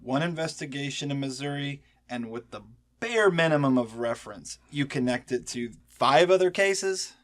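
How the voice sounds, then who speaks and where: A man's voice: mid-range voice, expressive, moderate pace, fairly bright tone, close to an everyday voice. A man playing a weary, stern but protective senior agent in an audio drama, speaking in a cautioning way.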